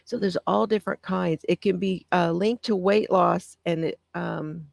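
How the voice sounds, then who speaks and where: A woman hosting a casual live stream, with a soft, calming voice, reading out notes on breathing and answering viewer comments. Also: lowish voice, vocal fry, no echo, clean studio sound. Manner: gentle, reads aloud with pauses and answers viewer comments. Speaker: craft channel host.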